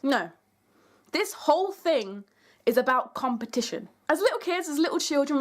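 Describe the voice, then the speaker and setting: A young woman speaking as a YouTuber in an earnest, emphatic, conversational video essay addressed to her viewers. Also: a little high. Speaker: YouTuber, creator and host. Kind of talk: video essay to camera, semi-scripted.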